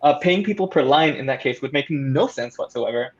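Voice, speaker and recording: A slightly muffled, lo-fi recording of a man with a mid-pitched voice. He talks in an articulate, wordy way, stressing key phrases as he explains things on a casual panel. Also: lively intonation, fairly quick. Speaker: audio drama producer on a panel.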